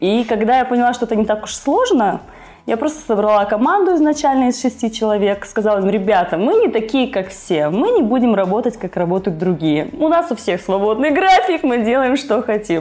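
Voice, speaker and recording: A woman at a fairly quick pace, fairly high in pitch, with very wide pitch swings and noticeable background noise. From Kazakhstan. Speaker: magazine owner and editor. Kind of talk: casual interview.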